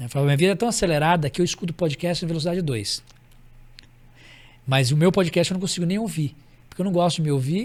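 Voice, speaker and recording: Speaking at a very fast pace with long, frequent pauses, a man uses a high pitch and an animated tone. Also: ordinary pitch variation. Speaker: business executive and leadership speaker. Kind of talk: podcast interview.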